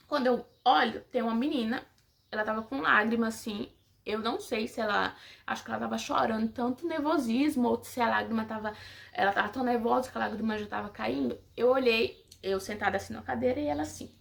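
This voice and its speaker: Gravelly-voiced woman sharing a testimony. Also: fairly high pitch. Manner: emotional, religious, laughs often, speaks to viewers as "gente". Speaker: vlogger giving a personal testimony. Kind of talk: casual storytelling to viewers.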